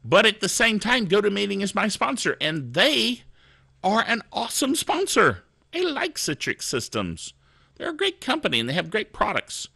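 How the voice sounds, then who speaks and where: A middle-aged man hosting a tech news podcast, chatty and animated, laughing at his own jokes. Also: high voice, moderate pace, gravelly, breathy edge, no room sound, clean studio sound. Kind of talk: casual tech news commentary.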